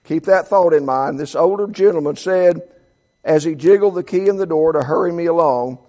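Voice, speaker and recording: A man's voice: a little high, normal speed, warm tone. A man of seventy preaching a sermon, reading quotations aloud and often stumbling and restarting his sentences. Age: 70s. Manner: reads quotes aloud, frequent stammered restarts. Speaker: pastor.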